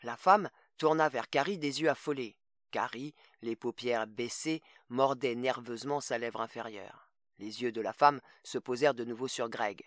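A man narrating a short story as an audiobook in a measured, steady reading. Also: mid-range voice, no room sound, studio quality.

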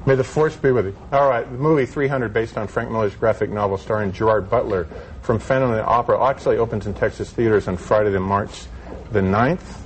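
A man's voice: fairly low pitch, brisk, poor audio. A man hosting a live broadcast interview in a conversational presenter's manner. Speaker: television interviewer, host. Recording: slight background noise.

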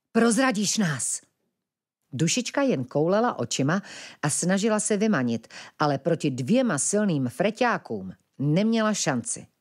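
Woman narrator, children's fairy tale, lower voice, lively pitch, calm. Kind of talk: storybook narration.

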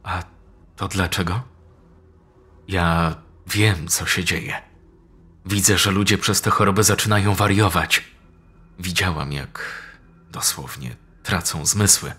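Brief: frightened young woman pleading, acted by a male narrator, husky edge, audiobook. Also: low voice, takes it slowly, pauses often, sharp tone, full character voice. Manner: pleading, shaken. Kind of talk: audiobook character voice.

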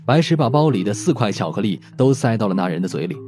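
Animated male audiobook narrator. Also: lowish voice, quick pace. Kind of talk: expressive scripted story narration. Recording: music behind the voice.

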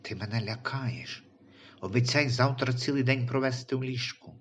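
A man's voice: medium pitch, moderate pace, a little hiss or hum, close to an everyday voice. A man voicing a worried, caring husband in a Christian audio story, speaking anxiously.

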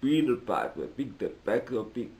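A man in his twenties with an Italian accent, chatting casually as a vlogger in halting, hesitant English as a native Italian speaker. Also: mid-range voice, very animated, lo-fi sound, noisy background. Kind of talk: casual vlog chat. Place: small cluttered room indoors.

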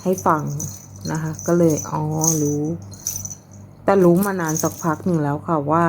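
A woman's voice: low-pitched, fairly even intonation, normal speed, background noise. A woman chatting casually while filming her pet cat, laughing often and talking to the cat between stories. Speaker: cat owner vlogger.

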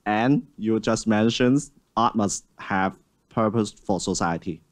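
Brief: male panel moderator, lowish voice, halting delivery full of fillers, auditorium stage. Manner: halting, with many fillers and restarts. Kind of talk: conference panel discussion.

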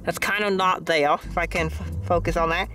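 A man casually unboxing model planes outdoors at an airport, chatty and easily excited, filmed on a tripod-mounted phone. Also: sits high, normal speed, soft background music. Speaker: aviation YouTuber.

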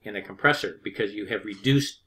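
A man, an HVAC instructor, explaining refrigerant pressure step by step over drawn diagrams in a plain, unhurried way with frequent restarts. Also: fairly low pitch, fairly bright tone.

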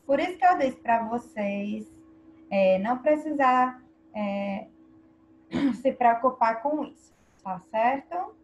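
A woman's voice: a little high, expressive, slow pace, slight background noise. A Brazilian woman teaching an online class to young children, patiently quizzing her pupils. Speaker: primary school teacher.

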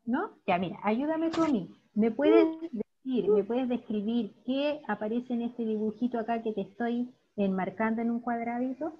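A woman teacher with a Chilean accent giving an online class, praising her students warmly and explaining patiently. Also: fairly high pitch, normal speed, hardly any pauses, slight background noise. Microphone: video call. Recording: dull lo-fi video call audio.

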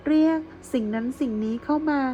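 A woman's voice: high-pitched, brisk, dark tone, a little hiss or hum, poor audio. A woman giving a chatty tarot reading to her viewers, playful and gushing, full of teasing praise. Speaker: tarot reader.

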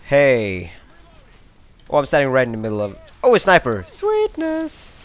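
A young man from Sweden giving live gameplay commentary, excitable and swearing often, with sudden outbursts. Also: medium pitch, measured pace.

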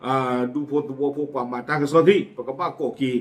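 A man's voice: medium pitch, fairly even intonation, a little fast. A man presenting community news in a casual, chatty way, with frequent fillers and asides. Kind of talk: casual spoken news commentary.

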